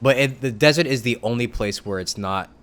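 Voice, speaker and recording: A man's voice: medium pitch, a little fast, a bit bright. A young man giving casual, informal live commentary as he streams a game, reacting aloud.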